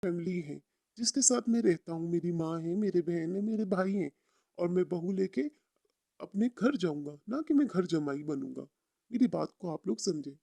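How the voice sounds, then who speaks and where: A woman's voice: fairly low pitch, moderate pace, creaky, mellow, no room sound, pitched below the performer's own voice. A woman voicing a poor but proud young man in love, speaking plainly and sincerely in a story. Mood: proud, firm.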